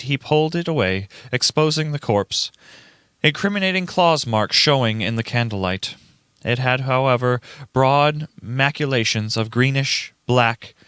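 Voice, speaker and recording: A man reading scripted radio play narration in a deliberate, dramatic way. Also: medium pitch, fairly bright tone, clean tone, no room sound, studio quality. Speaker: reader, narrator.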